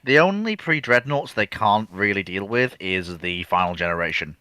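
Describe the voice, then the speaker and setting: A man's voice: on the low side, animated, moderate pace, bright, forceful tone, no echo. A man on a panel explaining technical points casually, restarting to refine what he says.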